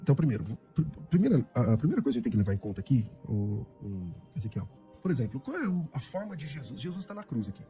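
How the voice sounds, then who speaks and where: A Brazilian man, a pastor, argues scripture in a radio debate. He talks fast and with a lively, swinging pitch, his tone dark and mellow, driving his point home through repetition. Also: soft background music. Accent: Brazilian Portuguese. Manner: emphatic, argumentative, repeats words as he builds a point.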